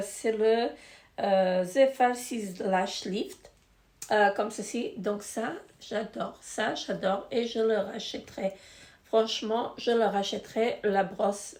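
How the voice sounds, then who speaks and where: A woman's voice: medium pitch, darkish tone. A woman with a stuffy, congested nose, reviewing beauty products in a casual, hesitant way full of fillers. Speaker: beauty vlogger. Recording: echoey room.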